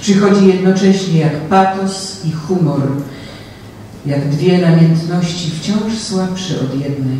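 A middle-aged woman reciting poetry in a slow, measured, solemn way on a small stage with a handheld mic. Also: lowish voice, dark tone, a little hiss or hum. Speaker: poetry reader. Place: small venue on a stage before an audience. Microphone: handheld mic, from a distant camera. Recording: very echoey room heard from far off.

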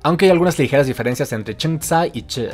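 A man giving a scripted, clear explanatory narration for a language lesson, walking through examples one by one. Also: a little high, expressive, quick pace. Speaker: language teacher. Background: faint music.

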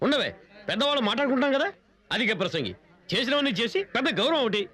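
A man's voice: very high voice, animated, rapid-fire, sharp tone, heavily acted. An actor playing a middle-aged comic father who scolds his stubborn daughter and begs forgiveness in a theatrical, exasperated way. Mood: frantic nagging. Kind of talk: Telugu film comedy acting.

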